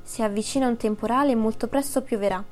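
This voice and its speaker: A woman's voice: fairly high pitch, quick pace, darkish tone, faint music behind, close to an everyday voice. A woman voicing a big black tomcat in a storybook, earnest and polite.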